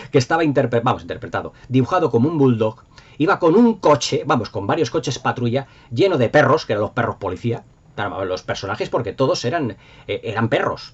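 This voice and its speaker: A man's voice: medium pitch, slightly rough, highs cut off. A middle-aged man with an accent from Spain, talking casually and nostalgically as a video host in an enthusiastic, effusive, rambling way. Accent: Spanish from Spain.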